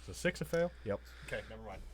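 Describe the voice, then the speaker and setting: A man's voice: on the low side, expressive, very fast. A man playing in a tabletop roleplaying podcast, chatting casually and hesitantly as he thinks aloud. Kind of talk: casual game chat.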